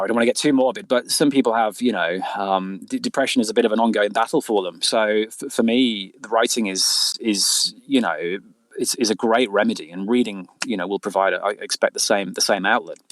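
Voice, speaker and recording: A man's voice: fairly low pitch, a little fast, no echo, low-quality recording. A man speaking as a writer being interviewed, chatting casually in a hesitant, self-effacing way and often repeating his words. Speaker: interviewed guest, fiction writer.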